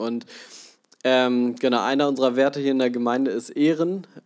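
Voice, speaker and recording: On a very clean recording with a silent background, a man with an unremarkable speaking voice talks at a moderate pace, his fairly high pitch showing ordinary variation. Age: 30s. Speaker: educator and welcome team leader. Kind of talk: panel talk.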